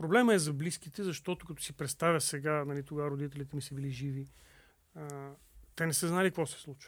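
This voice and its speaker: The recording is very clean, with a silent background. A man with a fairly high pitch talks at a very fast pace. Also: ordinary pitch variation, big swings in loudness. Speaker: geodesy professor and Antarctic expedition member. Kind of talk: interview.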